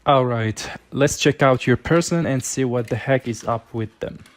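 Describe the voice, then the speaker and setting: A man's voice: mid-range voice, normal speed. Man giving a casual tarot reading. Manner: conversational, informal, thinking aloud. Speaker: tarot reader, channel host. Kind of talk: casual tarot reading, explaining cards to the listener.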